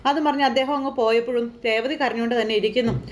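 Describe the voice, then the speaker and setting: A woman's voice: a little high, fairly even intonation, fast. A woman casually retelling a TV serial episode, chatty, with frequent tag words and repetition. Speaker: TV serial recap narrator. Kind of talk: casual storytelling recap.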